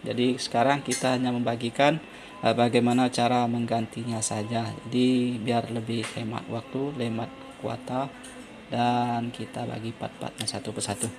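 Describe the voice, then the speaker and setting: A man giving an informal hands-on phone repair tutorial as host, halting and pausing often as he explains. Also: mid-range voice. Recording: clearly noisy amateur recording.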